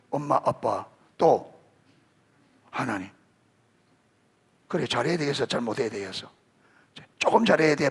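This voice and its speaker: A man's voice: on the high side, vocal fry, husky. A middle-aged male pastor preaching a sermon, quizzing the congregation and calling on children by name. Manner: animated, rising emphasis on scripture.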